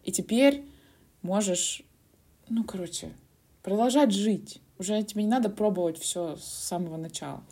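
A young woman near thirty co-hosting a podcast, agreeing warmly and telling reflective stories from her own life. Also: medium pitch, normal speed, breathy edge. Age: 20s. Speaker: podcast co-host. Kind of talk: casual podcast chat.

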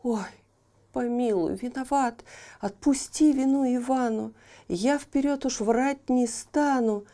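A woman voicing a simple young peasant lad in a storybook tale, loud, excited and pleading. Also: high voice, slow pace, voice pushed up. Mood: pleading defiant.

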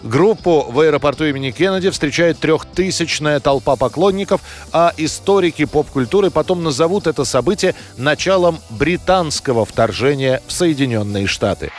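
A man's voice: on the high side, expressive, normal speed. A man presenting a history programme, reading scripted documentary narration. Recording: music under the voice. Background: background music.

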